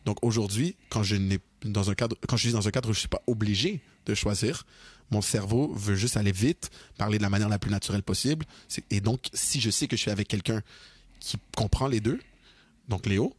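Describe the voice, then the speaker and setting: A young man with a Québécois French accent, co-hosting a podcast in casual, animated chat, mixing in English and slang. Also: fairly low pitch, husky, dry recording. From Quebec, Canada. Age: young adult. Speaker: podcast co-host.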